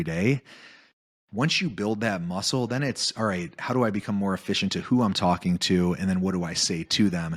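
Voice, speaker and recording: Fairly low male speech, very cleanly recorded against total silence. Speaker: real estate team leader. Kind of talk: interview. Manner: fast; animated.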